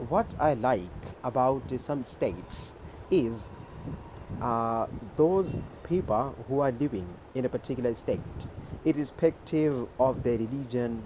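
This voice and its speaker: A man from Maharashtra with an Indian accent, a native Urdu speaker, tutoring English on a video call in a measured, explanatory way. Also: medium pitch, noisy background. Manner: measured, explanatory, checks in with "okay". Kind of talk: conversation practice on a video call.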